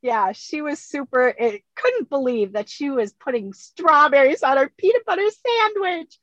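High-voiced, chatty woman in her sixties. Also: animated, moderate pace, fairly bright tone, dry recording. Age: 60s. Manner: chatty, laughs often. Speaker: guest. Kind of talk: casual video-call chat. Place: in her car. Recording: dull lo-fi dry car sound.

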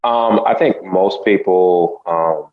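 A man from the United States whose first language is Haitian Creole, speaking as a podcast guest in a measured, reflective way. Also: sits low, phone-quality sound. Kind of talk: casual interview chat.

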